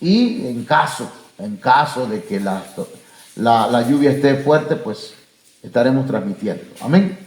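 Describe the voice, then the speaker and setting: A man's voice: mid-range voice, expressive, a little slow, a little mellow. Mexican man preaching in an echoey church. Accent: Mexican Spanish. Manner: plain and conversational, many fillers, stretches out key words. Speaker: pastor. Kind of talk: sermon and closing prayer to a church and online viewers. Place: church sanctuary.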